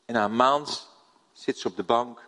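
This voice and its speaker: A man's voice: mid-range voice, normal speed. Older man preaching in a reverberant hall. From Netherlands. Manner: lively storytelling, asks the audience questions. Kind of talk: sermon.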